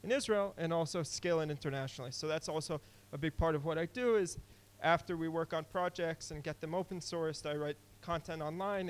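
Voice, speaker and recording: A man's voice: a little high, smooth. Casual young man giving a tech talk. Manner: casual, many fillers and restarts. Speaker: conference speaker. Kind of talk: technical conference talk. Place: conference hall.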